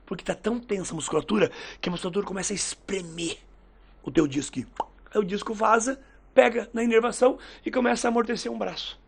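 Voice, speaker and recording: A man with a fairly high, husky voice and a gravelly edge tells stories in a relaxed podcast chat. He acts out what people said in lively little voices. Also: fast talker. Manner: lively storyteller who acts out quoted dialogue. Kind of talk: casual podcast chat, storytelling.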